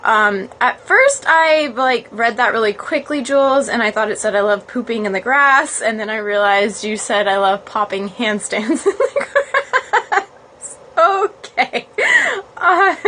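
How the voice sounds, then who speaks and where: A woman's voice: fairly high pitch, expressive, unhurried, pushed and bright, slight background noise. A woman casually hosting a livestream as a yoga blogger, chatty and informal, in a small room. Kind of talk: casual livestream chat, with halting read-aloud. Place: small, cold, uninsulated cottage room. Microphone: phone livestream.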